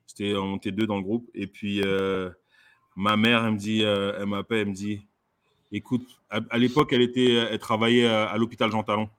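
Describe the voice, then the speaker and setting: A man's voice: on the low side, flat delivery, fairly quick, a bit bright. A man, a comedian guest, talking casually with frequent fillers and restarts. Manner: hesitant, many fillers and restarts, laughs often. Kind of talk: casual conversation.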